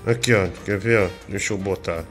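A man's voice: lowish voice, steady tone, a little fast, faint music behind. A man hosting a comedy radio show, needling and teasing his co-host.

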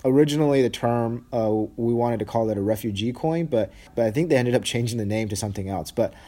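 Mellow-voiced man interviewing at a conference. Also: medium pitch. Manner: chatty, quick follow-up questions. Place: conference venue.

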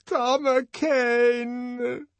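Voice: mid-range voice, very animated, no echo, voice pushed up. A reader voicing a desperate, anguished middle-aged woman from a novel, pleading in a trembling, wailing voice. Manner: wailing, trembling, drawn-out cries.

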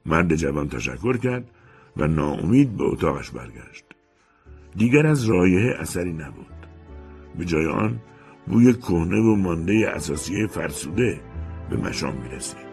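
A male audiobook narrator reading a literary short story. His voice is very deep and husky, and his delivery rises and falls a great deal. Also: faint music behind. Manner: expressive storyteller.

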